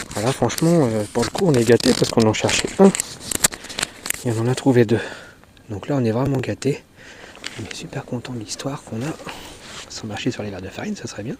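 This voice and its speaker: Soft-spoken and at medium pitch, a man talks with long, frequent pauses and big swings in loudness. Noticeable background noise is present. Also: ordinary pitch variation. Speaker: nature video presenter. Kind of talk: on-location wildlife commentary.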